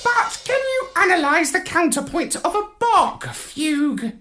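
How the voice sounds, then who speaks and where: A storyteller voicing a bossy, clever male parrot commander who talks in a shrill, scornful, know-it-all way. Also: very animated, unhurried, pushed and bright, soft background music, exaggerated voice. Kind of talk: storybook read-aloud.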